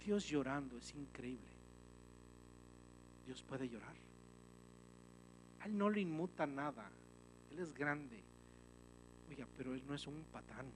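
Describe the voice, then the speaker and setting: A man's voice: medium pitch, expressive, measured pace, pauses often, noisy background. Emphatic male pastor preaching. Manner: emphatic, with swings from loud to hushed; often addresses listeners as "hermano". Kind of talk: sermon.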